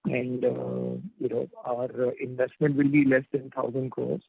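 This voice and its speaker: Gravelly Indian executive on a phone line. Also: male voice, mid-range voice, little pitch movement, a little slow. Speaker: company executive. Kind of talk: answering investor questions on an earnings call. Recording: tinny, dry phone line.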